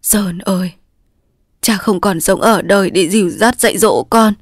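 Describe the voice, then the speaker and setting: A woman's voice: medium pitch, unhurried, dry recording, studio quality, close to an everyday voice. A woman voicing a dying old father who speaks weakly and solemnly, sometimes in a whisper. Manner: weak, strained, sometimes whispered.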